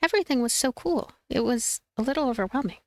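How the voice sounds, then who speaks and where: A woman's voice: on the high side, animated, fast talker, a little mellow, dry recording. A woman hosting a let's play, reading and narrating a visual novel.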